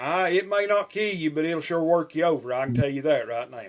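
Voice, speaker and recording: In a Southern US accent, a man with a high pitch talks at a moderate pace. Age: 50s. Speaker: diesel mechanic. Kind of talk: casual chat.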